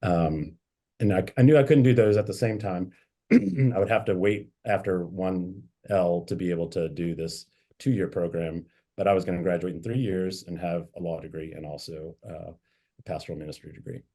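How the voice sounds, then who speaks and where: A bishop whose first language is English reflectively tells anecdotes from his life in a conversational interview. His voice is low-pitched and mellow, at a normal pace.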